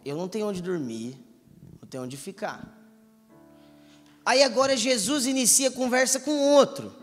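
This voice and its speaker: A man's voice: high-pitched, normal speed. A man preaching a sermon to a live church crowd, acting out the dialogue and teasing the audience. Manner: animated, acts out dialogue, teases the crowd. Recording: echoey hall, light music underneath.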